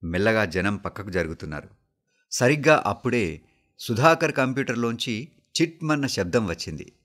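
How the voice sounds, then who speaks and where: A man with a Telangana accent reading a story aloud for the radio in a steady, measured way. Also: on the low side. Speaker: story reader.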